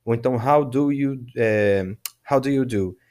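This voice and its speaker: Man, Brazilian Portuguese accent, English teacher, casual podcast lesson, laid-back slang, slow drilled example words, mid-range voice. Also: medium pitch. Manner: relaxed and slangy, slows down to model English words for repeating.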